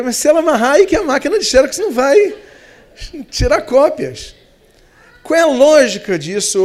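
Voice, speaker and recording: A man with a Brazilian Portuguese accent, preaching a sermon as pastor, stretching key words slowly and hurrying through asides. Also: very high voice, a little mellow.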